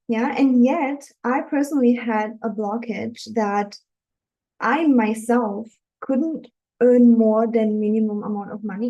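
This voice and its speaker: A woman's voice: a little high, warm tone, poor audio. A woman from Germany, a dating coach, speaking to viewers in an earnest, encouraging live webinar talk.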